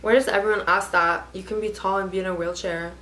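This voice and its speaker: A woman in her twenties from Canada, chatting casually with strangers on video calls and teasing them with deadpan jokes. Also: mid-range voice, quick pace, echoey room, a little hiss or hum, rough recording. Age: 20s. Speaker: host. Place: bedroom.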